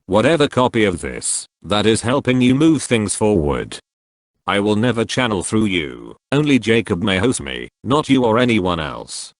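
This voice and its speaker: A man's voice: lowish voice, sing-song, normal speed, dry recording, clean studio sound. A man reading social media posts aloud, speaking every handle and symbol out literally.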